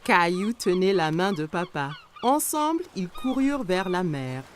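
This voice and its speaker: A woman's voice: fairly low pitch, sing-song, unhurried, a little hiss or hum. A woman reads scripted children's story narration for a cartoon.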